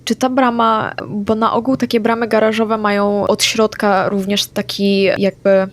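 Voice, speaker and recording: A woman playing a tabletop game, stating her character's actions in a brisk, practical way. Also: medium pitch, level tone. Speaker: player. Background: faint background music.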